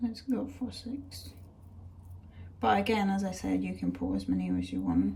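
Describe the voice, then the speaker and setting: A woman's voice with long, frequent pauses and audible room echo. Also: moderate pace. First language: not English. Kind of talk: tutorial. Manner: casual, slightly halting.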